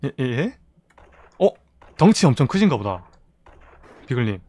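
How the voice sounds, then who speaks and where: A man giving quick, reactive live commentary to viewers while playing a shooter game. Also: medium pitch, very animated, mellow. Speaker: game streamer. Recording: faint background game noise. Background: gunfire and keyboard typing.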